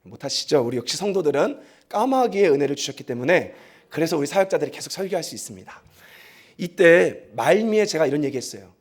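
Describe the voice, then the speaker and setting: Animated high-voiced man preaching. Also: quick pace. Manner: animated storytelling, acts out quoted voices; talks straight to the congregation, asks them to repeat. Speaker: pastor. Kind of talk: sermon.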